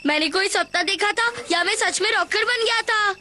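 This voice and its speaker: A performer voicing an excitable, adventurous little Stone Age boy in a Hindi cartoon dub, exclaiming with wide-eyed wonder. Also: extremely high pitch, moderate pace, a little hiss or hum, heavily acted. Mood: proud. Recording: loud music under the voice.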